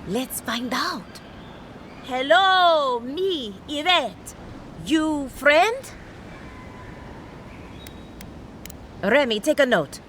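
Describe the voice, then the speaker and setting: A woman's voice: high voice, lively intonation, drawn-out words, a bit bright, slight background noise, heavily acted. An actress playing an eccentric, condescending woman researcher who studies people like specimens, in a theatrical, clinical manner. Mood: delighted curiosity. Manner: theatrical, clinical, patronizing, sing-song. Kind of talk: video game character dialogue.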